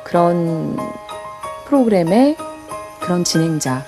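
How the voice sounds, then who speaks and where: A woman who hosts a radio program reading fairy tales to adults, answering interview questions in a soft, reflective, unhurried way. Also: fairly low pitch, sing-song, music in the background.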